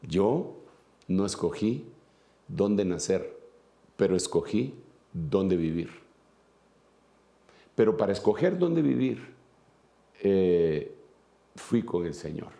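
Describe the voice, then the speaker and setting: A man's voice: deep voice, very animated, slow, creaky, long pauses, warm tone. A man from Guatemala with a Guatemalan Spanish accent, preaching an earnest sermon as an apostle, repeating phrases for emphasis.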